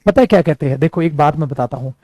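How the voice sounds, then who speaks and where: A man with an Indian accent teaching spoken English, mixing Hindi and English, repeating his English lines slowly and calling his students "beta" and "dear". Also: a little high, mellow, no room sound. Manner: addresses listeners fondly as "beta" and "dear".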